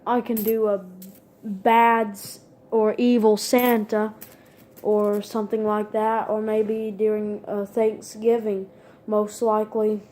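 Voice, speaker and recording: A woman talking casually to viewers as a video creator, in a halting way, listing things one by one. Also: mid-range voice, level tone, mellow. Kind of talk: casual unscripted vlog talk.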